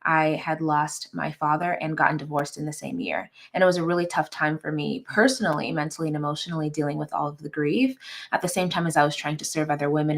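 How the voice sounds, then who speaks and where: Earnest woman guest, lower voice. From Uganda, raised in the United States. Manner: earnest, reflective, conversational. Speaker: wealth coach and guest. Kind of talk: guest in an interview.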